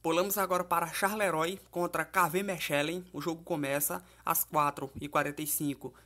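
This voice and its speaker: A man's voice: a little high, steady tone, brisk, sharp tone. Male tipster, voice-over, casual and chatty, frequent tag questions to the audience. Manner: chatty, fillers like "né?" and "beleza?", addresses viewers as "família" and "galera". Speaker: football betting tipster. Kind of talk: casual betting-tips commentary over app screenshots. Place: voice-over, not recorded in the pictured place.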